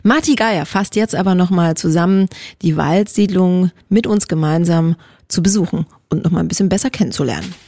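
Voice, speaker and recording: A woman's voice: lowish voice, brisk, mellow, dry recording. Chatty woman radio host, dry studio. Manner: chatty, teasing. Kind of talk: morning radio banter. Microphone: studio microphone.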